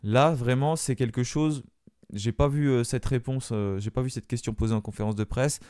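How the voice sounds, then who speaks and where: Man, match debrief, hesitant with fillers, smooth voice, dry close sound. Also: medium pitch, normal speed, darkish tone, dry recording. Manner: hesitant, many fillers and restarts. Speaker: fan channel host.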